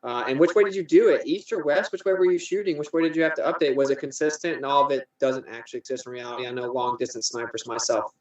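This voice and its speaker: A man arguing a flat-Earth position in a combative, dismissive way, firing off points in a debate. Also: mid-range voice. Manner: combative, dismissive, rapid-fire. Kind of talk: debate argument. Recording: roomy, distant, dull audio.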